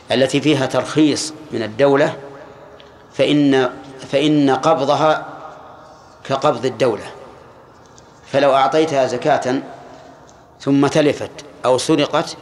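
An older man giving a classroom lesson on Islamic law, speaking in measured phrases and questioning his students. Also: mid-range voice, a little hiss or hum. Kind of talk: classroom lecture on hadith.

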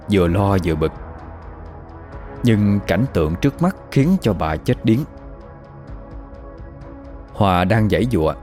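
A man tells a ghost story at an unhurried pace. His voice sits low yet moves widely in pitch, keeping a measured storytelling manner. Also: darkish tone. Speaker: narrator. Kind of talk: scripted horror narration.

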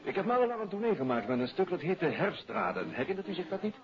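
Over a muffled old radio recording with busy chatter, a genial male hotelier who once trod the stage. His voice is animated, courteous and a little hesitant, with theatrical nostalgia in true 1950s radio drama style. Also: sits high, fast talker. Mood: wistful, courteous.

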